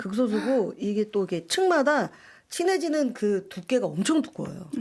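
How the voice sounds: At a moderate pace, a woman with a fairly high, somewhat breathy voice speaks with very wide pitch swings.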